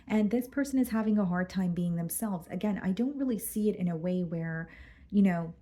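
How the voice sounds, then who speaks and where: A woman doing a casual tarot reading, going hoarse and clearing her throat as she talks through the cards with some hesitation. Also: medium pitch, a little fast, dark tone. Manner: careful, hesitant, repeats words. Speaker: tarot reader.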